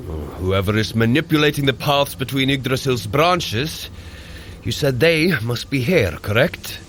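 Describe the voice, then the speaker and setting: An actor playing a hearty, boisterous warrior god with bombastic, old-fashioned speech in a fantasy audio drama. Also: male voice, medium pitch, expressive, fairly bright tone, slight background noise. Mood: earnest. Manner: bombastic, archaic, deliberate.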